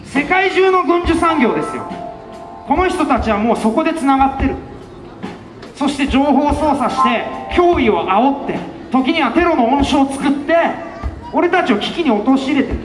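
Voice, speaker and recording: A man giving an impassioned street campaign speech outside a station, rhetorical and fiery, often breaking into shouts. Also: extremely high pitch. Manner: fiery, rhetorical, with repeated questions and bursts of shouting. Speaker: election campaign speaker. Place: outdoors in front of a busy station. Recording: echoey outdoor PA sound with faint music.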